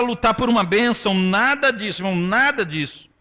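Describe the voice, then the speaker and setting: A man's raised, projected voice with a bright, sharp tone and ordinary pitch variation. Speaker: pastor. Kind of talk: sermon.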